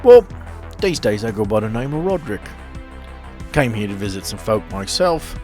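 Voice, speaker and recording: A man voicing a friendly, courteous stranger in a tabletop game, smooth-talking and folksy as he offers a deal. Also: fairly low pitch, very animated, moderate pace, a little mellow, faint music behind. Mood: genial, courteous. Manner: genial, folksy, courteous salesman patter.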